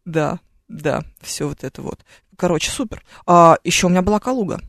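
A woman's voice: lowish voice, expressive, a little fast, dry recording, studio quality. Ironic chatty woman radio co-host. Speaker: radio morning show co-host. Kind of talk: casual on-air chat. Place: radio studio.

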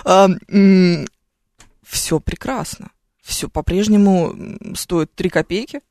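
A woman co-hosts a morning radio show, trading travel stories with mock enthusiasm and quick ironic asides. Her voice sits close and dry on a studio microphone, with no room sound around it. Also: fairly low pitch, dark tone, no echo. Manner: chatty, ironic storytelling. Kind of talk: casual on-air chat.

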